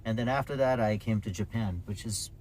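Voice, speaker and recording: A man's voice: lowish voice, fairly quick, a little mellow, a little hiss or hum, rough recording. A man in his forties from Pakistan, speaking conversationally as he explains things like a taxi driver being interviewed. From Pakistan, grew up in Karachi, later the UK. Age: 40s.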